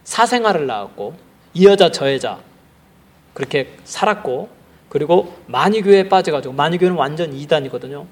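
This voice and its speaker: A male pastor preaching a sermon, telling stories in an animated way and acting out the characters. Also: on the high side, moderate pace. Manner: animated storytelling that acts out the characters. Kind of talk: sermon storytelling.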